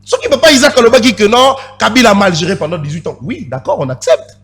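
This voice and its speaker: On a heated TV studio debate, a male panelist with a high, sing-song, slightly bright voice talks fast. He insistently presses his point, repeatedly pleading for the floor while mixing French and Lingala.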